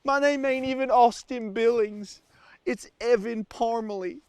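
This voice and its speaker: An actor playing a lost, cold and hungry survival-show star whose confession swings between sobbing and panic. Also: male voice, mid-range voice, fairly even intonation, normal speed, darkish tone, no room sound, close to an everyday voice. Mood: confessional. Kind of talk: comic monologue acting.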